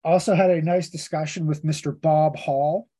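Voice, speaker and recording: A man from Pittsburgh co-hosts a casual comics podcast, chattily telling convention stories full of asides and quoted dialogue in different voices. His voice is fairly high with fairly even intonation, a moderate pace, a dark tone, and a breathy edge.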